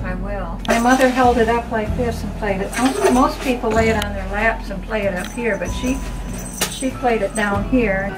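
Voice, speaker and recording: Over loud background noise, a woman with an American accent talks at a moderate pace. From Virginia, USA. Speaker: grandmother telling life stories. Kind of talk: casual storytelling in conversation. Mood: warm, amused. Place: home room. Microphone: camera far.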